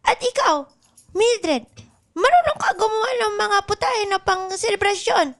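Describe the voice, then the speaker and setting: A woman's voice: extremely high pitch, lively intonation, measured pace, fairly bright tone, heavily acted. A woman in an improvised comic radio drama voicing whiny, complaining dwarfs, a queen and her companion. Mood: excited, bossy.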